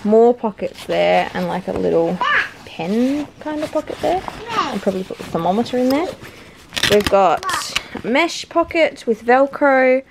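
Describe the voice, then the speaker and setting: A woman's voice: fairly high pitch, measured pace, vocal fry. Chatty woman, noisy home recording. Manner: chatty and relaxed, with many "like" fillers. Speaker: vlogger reviewing a product. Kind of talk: casual home product review. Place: family home with children nearby.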